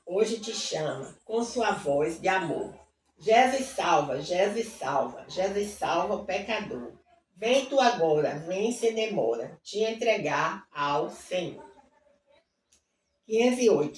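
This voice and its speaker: A woman hosting a devotional reading, fervently reading hymn lyrics aloud, adding warm asides, and leading a prayer. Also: medium pitch, a little hiss or hum. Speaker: Bible reading host. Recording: roomy, distant mic with faint ambience.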